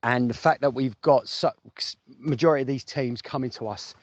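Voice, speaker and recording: This is a fan podcast voice note: a man with a medium-pitched, somewhat dark voice, at a moderate pace, reacts informally to football, chatting, thinking aloud and repeating phrases for emphasis. There's no echo, but the phone voice message is muffled and lo-fi, with noise and clicks.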